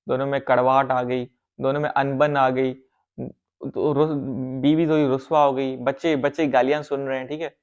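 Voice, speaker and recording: A man giving life advice in a casual, rambling monologue, mixing in English phrases and often turning heated. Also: on the high side. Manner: rambling, repeats "theek hai" often, mixes English phrases; heated, rises sharply when acting out bosses and husbands. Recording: dull lo-fi sound.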